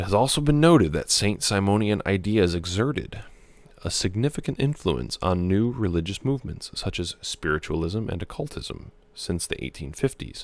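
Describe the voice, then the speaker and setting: An ordinary speaking voice from a man with an American accent comes through a very clean recording with a silent background, fairly low in pitch, at a moderate pace and with lively intonation. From United States. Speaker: YouTuber, history commentator. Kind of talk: reading aloud with commentary. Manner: casual.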